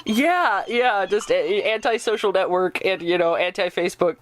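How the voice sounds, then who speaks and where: A woman's voice: medium pitch, normal speed, a little hiss or hum. A woman in a casual interview, chatting away as a storyteller who acts out the lines she quotes. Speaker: radio drama writer being interviewed. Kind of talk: casual interview chat with anecdotes.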